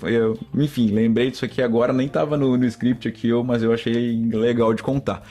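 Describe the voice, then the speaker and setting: A man's voice: medium pitch, level tone, moderate pace, warm tone. A man from Brazil, hosting a solo podcast and telling stories in a chatty, rambling way straight to his listeners. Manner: rambling, chatty, often addresses listeners as "gente". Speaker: podcast host. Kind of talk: casual solo podcast storytelling.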